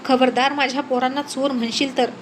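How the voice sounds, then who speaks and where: A woman's voice: sits high, level tone, a little fast, slight background noise, close to an everyday voice. A woman voicing a fierce village mother defending her children, scolding with emphatic questions. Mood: furious.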